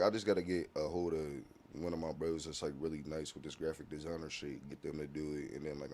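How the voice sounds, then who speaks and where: A very low-voiced man chatting as a podcast guest about his music. His talk is loose and slang-filled, and he keeps checking in with his listener. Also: a little mellow. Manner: laid-back, slang-heavy, often asks "you feel me". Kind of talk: casual podcast conversation.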